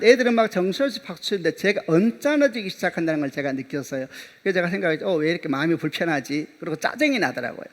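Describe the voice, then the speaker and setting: Male pastor, middle-aged, slightly high voice, animated storytelling sermon. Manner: animated storytelling, acting out dialogue.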